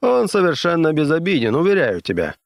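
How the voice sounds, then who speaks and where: Guy voicing a sneering rich boss, higher voice, bossy and mocking. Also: huge pitch swings, a little fast, creaky, dry recording, studio quality, heavily acted. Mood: coaxing. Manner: mocking, commanding. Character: rich, menacing male ship owner, scheming and smug.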